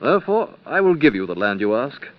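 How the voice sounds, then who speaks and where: A man's voice: mid-range voice, big pitch swings, fairly quick, close to an everyday voice. A man playing a wry, amused king. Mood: amused, courtly. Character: genial, wry, spendthrift adult male king. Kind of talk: 1930s radio drama acting. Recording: dull lo-fi old radio transcription.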